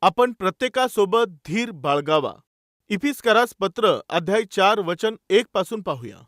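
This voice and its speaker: A man's voice: high voice, animated, a little slow, fairly bright tone, no echo, studio quality. A man preaching a sermon, reading scripture and telling stories to his dear brothers and sisters. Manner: tells stories and reads scripture aloud.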